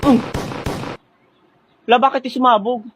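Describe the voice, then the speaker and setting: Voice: medium pitch, steady tone, a little slow, slight background noise. A performer in a comedy skit, talking in an exaggerated, dramatic way.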